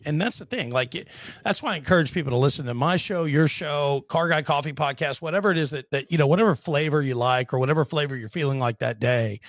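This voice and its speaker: A man's voice: mid-range voice, no echo. Chatty man with a dull dry sound. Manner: upbeat, chatty, calls the guest man and bro. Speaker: podcast host. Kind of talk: casual interview chat. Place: small home studio with brick wall and colored lights. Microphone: boom mic close up, wearing headphones.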